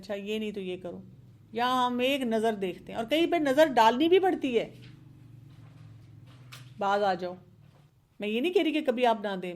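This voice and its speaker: Middle-aged woman parenting expert, kinda high voice, earnest, lots of examples from her own kids. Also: darkish tone. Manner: earnest, explaining with examples from her own children, mixing in English words. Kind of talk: advice talk on a show.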